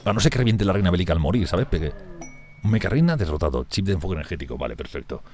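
Fast, excitable man, very deep. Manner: fast, excitable, swears and laughs often. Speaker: gameplay streamer. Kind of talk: live strategy game commentary.

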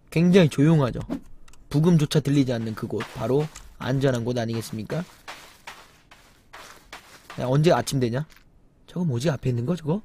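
A young man streaming a survival game, chatting with viewers, muttering to himself and crying out loudly when startled. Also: a little hiss or hum. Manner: jumpy, exclaims loudly when startled, then mutters low; chats with viewers and reads the chat. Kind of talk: live game commentary.

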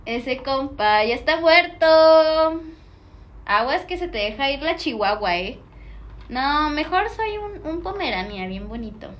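A woman's voice: high-pitched, animated, unhurried, dull audio. A young woman with a Mexican Spanish accent chatting casually on a livestream, reading viewer comments, slangy and playful, laughing often.

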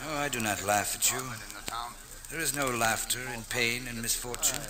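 An actor playing a kindly, bold gentleman swordsman with theatrical, archaic diction in an old-time costume radio drama. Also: mid-range voice, normal speed, a crowd in the background, lightly acted. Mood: courteous. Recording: noisy, clicky old drama recording.

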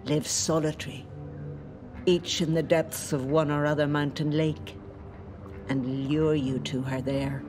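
An actress playing an ancient, feared lake spirit in a lyrical, deliberate audio drama monologue. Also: female voice, low voice, darkish tone. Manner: slow, deliberate, lyrical storytelling. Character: ancient female lake spirit, feared, haunting, proudly otherworldly.

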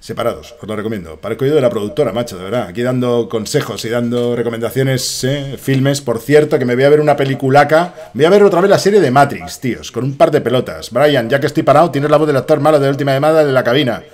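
A young Spanish gaming streamer with a Spanish accent rambles excitably while playing a soccer game, swearing often. His mid-range voice moves fast with few pauses.

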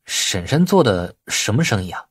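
A man's voice: fairly low pitch, sing-song, normal speed, slightly rough, dry recording, clean studio sound. A man voicing a shrewd, affable young businessman in an audiobook, polite and a little sheepish. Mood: polite, tactful.

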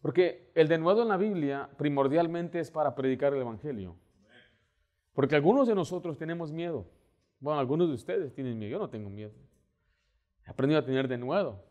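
A middle-aged man preaching a sermon as pastor, animated, acting out little scenes as he talks. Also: a little high, brisk, lo-fi sound. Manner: animated, acts out door-knocking scenes.

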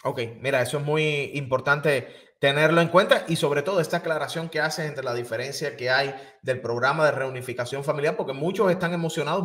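Male show host in his thirties, slightly raised pitch, steady reader of viewer questions into a studio mic. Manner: reads viewer questions aloud evenly. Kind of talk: reading viewer questions and interviewing. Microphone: studio microphone on boom.

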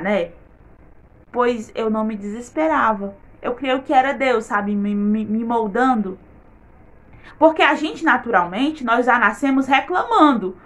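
High bright woman. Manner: earnest, repeats words for emphasis. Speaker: vlogger giving a testimony. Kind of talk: emotional faith testimony.

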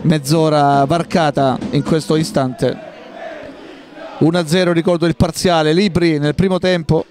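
A man giving live football play-by-play in clipped running phrases, with pauses between them. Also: on the high side, steady tone, darkish tone, some chatter behind, slight background noise. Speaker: football match commentator.

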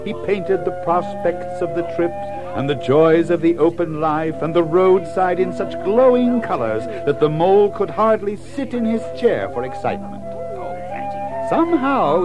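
Animated male storybook narrator over music. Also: on the high side, low-quality recording. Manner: expressive, measured storytelling. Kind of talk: scripted storybook narration in an audio drama.

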